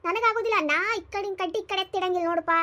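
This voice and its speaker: A woman voicing a sharp-tongued older village mother-in-law in a cartoon comedy, shrill and sarcastic, with a North Karnataka Kannada accent. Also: fairly even intonation, racing. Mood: defiant. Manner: shrill, sarcastic, defiant scolding.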